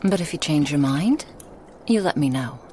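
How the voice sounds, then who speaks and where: A woman playing a lonely, hospitable woman in a remote forest cabin, speaking softly and coaxingly in a half-whisper to the listener. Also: low-pitched, expressive, moderate pace, noisy background. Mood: gentle. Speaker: ASMR roleplay performer. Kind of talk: ASMR roleplay, whispered to the listener.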